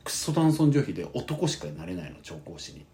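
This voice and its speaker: A man with a Kansai accent tells a story at a quick clip in a casual podcast chat. His pitch moves freely as he acts out the people in his story. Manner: animated storytelling, acting out quoted dialogue. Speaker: podcast co-host.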